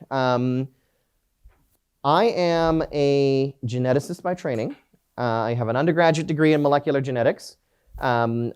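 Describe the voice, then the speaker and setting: A middle-aged man presents live at a conference, talking loosely and joking about himself. His voice sits at an ordinary middle pitch, and his sentences stumble through fillers and restarts. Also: a little mellow, smooth. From Canada. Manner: self-deprecating joking, many fillers and restarts.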